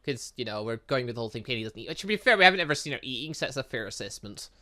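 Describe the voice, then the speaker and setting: A man's voice: mid-range voice, animated, rapid-fire, bright, forceful tone. A young man doing casual let's play commentary, rambling and mildly sweary, stumbling as he reads game text aloud. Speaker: gaming channel host.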